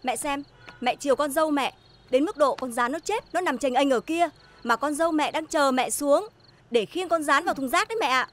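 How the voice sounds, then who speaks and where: A stern elder sister-in-law who lectures in a reproachful way. Her voice is high and her delivery fast. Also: a bit bright.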